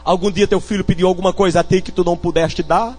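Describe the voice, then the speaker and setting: Impassioned preacher man, northeastern brazilian accent, really high voice, shouts then goes quiet. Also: steady tone, fast. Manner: impassioned, swinging between shouting and hushed tones, calls on the congregation. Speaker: bishop, preacher. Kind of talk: fiery revival sermon.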